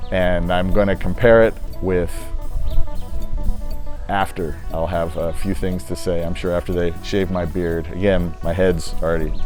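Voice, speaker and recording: A man's voice: sits low, a little mellow. An older man, recently retired, talking casually to camera in a rambling, easygoing way with many fillers. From United States. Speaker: vlogger.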